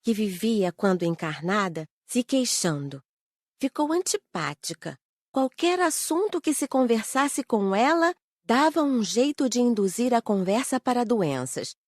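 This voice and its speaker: A woman's voice: fairly high pitch, big pitch swings, measured pace, no echo, studio quality. A woman playing a matter-of-fact female student telling an anecdote plainly in an audiobook. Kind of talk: audiobook dialogue.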